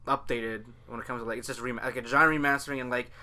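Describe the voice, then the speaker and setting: A man's voice: mid-range voice, fairly even intonation, fast, sharp tone. A young man chatting casually about anime, explaining in a rambling, repetitive way. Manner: rambling, repeats phrases while explaining.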